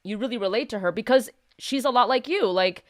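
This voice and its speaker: Podcast host, woman, Miami accent. Smooth clear tone, dry sound, informal and chatty. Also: fairly high pitch, fairly quick, no echo. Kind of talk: casual interview chat.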